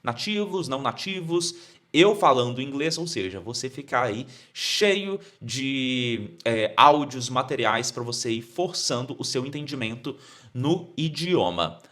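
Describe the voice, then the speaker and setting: A Brazilian man teaches an English lesson, his voice bright and lively as it rises and falls. He draws out each word slowly for learners to repeat. Between the drills he keeps checking in with quick questions. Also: mid-range voice. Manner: explains in Portuguese with frequent check-ins like "tá?" and "ok?". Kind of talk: online language lesson.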